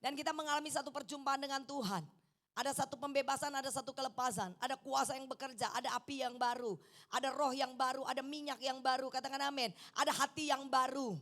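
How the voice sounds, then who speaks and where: A middle-aged woman evangelist with an East Javanese accent, preaching a lively sermon and urging the congregation to say amen. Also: high voice, fast talker. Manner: animated, mixes in Javanese, coaxes the congregation to say amen. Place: church hall.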